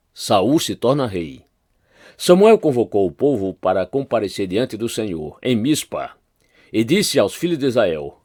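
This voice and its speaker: Man, Brazilian Portuguese accent, pastor reading the Bible, lively intonation, dry close sound. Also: mid-range voice, no room sound. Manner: expressive reading, lifts voice for quoted speech.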